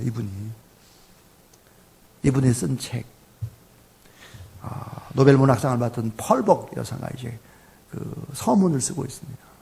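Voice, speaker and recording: A middle-aged man preaching a sermon as pastor, dropping to soft asides and rising to loud emphatic lines. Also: mid-range voice, creaky.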